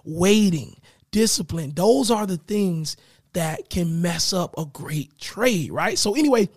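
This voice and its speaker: A man hosting his own podcast in a casual motivational style, with a raspy voice that is giving out, often checking in with his listeners. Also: high voice, slow pace, no room sound, clean studio sound. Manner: energetic, hyped greetings, repeats "right?". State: losing his voice. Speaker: podcast host.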